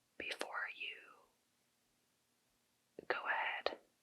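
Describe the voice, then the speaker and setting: A woman whispers at a very slow pace in a calm tone, with noticeable background noise behind her. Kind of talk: ASMR relaxation talk, telling a rescue dog's adoption story. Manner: soft-spoken, whispered, calm.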